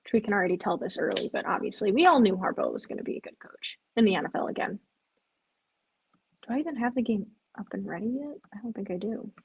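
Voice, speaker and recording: A woman's voice: mid-range voice, animated, fast talker, husky, lo-fi sound. A woman hosting a live stream, chatting casually with viewers, sounding tired and rambling. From Chicago area. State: drowsy, yawning.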